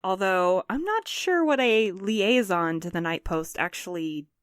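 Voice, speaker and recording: A woman's voice: medium pitch, animated, measured pace, smooth, no room sound, clean studio sound, natural voice. A woman in an audio drama playing a bitter, guarded courier, hurt and sarcastic. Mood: wary, sardonic. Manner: sarcastic, cutting.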